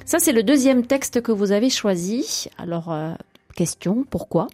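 A woman hosting a spiritual radio interview, asking questions in a gentle, hesitant way. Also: medium pitch, expressive, measured pace, no room sound. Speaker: radio host.

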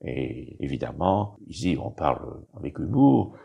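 A man's voice: extremely low pitch, big pitch swings, unhurried, vocal fry, breathy edge, highs cut off. An older man, explaining history in an interview in a rambling, digressive way with frequent tag words. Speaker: bishop and historian guest.

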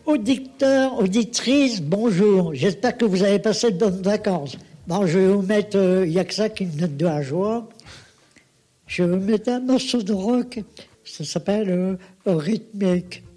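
A man's voice: sits high, measured pace, mellow. A man presenting a song on a community radio show in a cheerful, stumbling way. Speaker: music presenter.

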